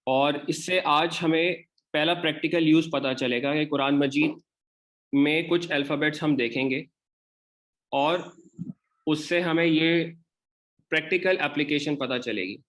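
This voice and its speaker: A man with a Pakistani Urdu accent lectures an online Arabic grammar class, working through it step by step and repeating example words. His voice is a little high with a fairly bright tone.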